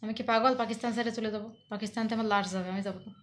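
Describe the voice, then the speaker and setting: A woman's voice: on the high side, fairly even intonation, rapid-fire, a bit bright, slight background noise. A woman from Bangladesh speaking, coaxing and teasing her husband at home while talking to her viewers. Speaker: vlogger filming her husband. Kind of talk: casual home vlog.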